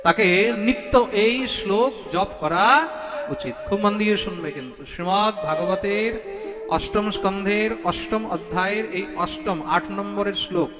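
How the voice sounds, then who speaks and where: A man with a high voice preaches a devotional discourse. He keeps asking his listeners questions and chants verses slowly. The sound rings through a large hall, with instrumental music playing behind him. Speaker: Bhagwat preacher.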